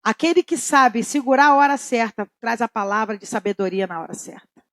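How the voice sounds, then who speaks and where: A woman's voice: fairly high pitch, fairly quick, fairly bright tone, no echo, studio quality. A middle-aged woman teaching a church Bible study in a conversational way, repeating key phrases and asking the audience questions.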